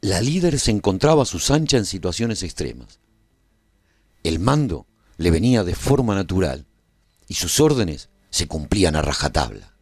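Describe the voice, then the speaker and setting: A man's voice: deep voice, very animated, normal speed, no room sound, clean studio sound, exaggerated voice. An actor playing a male resistance veteran who narrates a post-apocalyptic war in a scripted radio serial. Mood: grave, measured.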